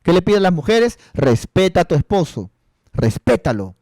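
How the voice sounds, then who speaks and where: A man's voice: on the high side, sing-song, moderate pace, darkish tone, dry recording, clean studio sound. A male pastor giving a counseling sermon, repeating rhetorical questions and calling his listeners brother and sister.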